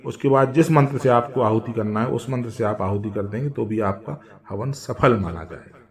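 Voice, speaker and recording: A man patiently explaining a home fire ritual step by step, with drawn-out chanted mantras. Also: mid-range voice. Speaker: religious instructor.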